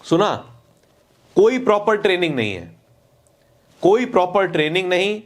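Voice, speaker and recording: A man's voice: high-pitched, sing-song, moderate pace. A man presenting opinionated news commentary, speaking emphatically with repeated phrases and rhetorical questions.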